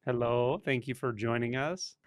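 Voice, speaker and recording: A man hosting a channel interview, asking loose, gentle questions with a few fillers. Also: mid-range voice, moderate pace. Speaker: host.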